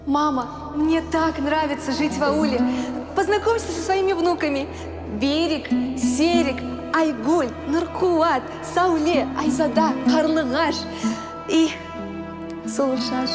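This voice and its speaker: An actress playing a cheerful young bride in a comedy film. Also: female voice, sits high, slow pace. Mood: sweet, cheerful. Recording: loud music over film audio.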